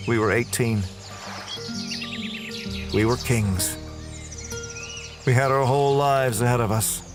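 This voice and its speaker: An actor playing a tormented, damned murderer, delivering a brooding first-person horror audio drama monologue. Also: male voice, medium pitch, slow pace, close to an everyday voice. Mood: wistful. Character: damned male murderer prisoner, tormented, confessing in hell. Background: music.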